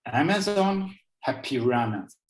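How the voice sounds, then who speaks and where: A man's voice: mid-range voice, big pitch swings, a little slow, far from the mic. A man from Borneo giving an informal, enthusiastic travel talk on a video call. He repeats phrases for emphasis. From Borneo, Malaysia. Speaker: guest speaker. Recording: echoey room over a video call.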